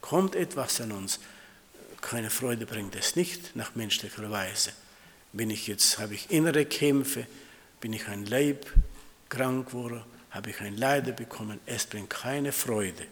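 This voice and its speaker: A man's voice: medium pitch, a little slow, fairly bright tone, a little hiss or hum. Man preaching a sermon in a reverberant church hall. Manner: addresses the congregation as siblings, quotes scripture.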